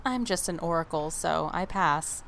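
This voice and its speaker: A woman playing a polite, curious oracle in an audio drama, gentle and inquisitive in manner. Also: fairly low pitch, animated, moderate pace, vocal fry, slight background noise. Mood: matter-of-fact.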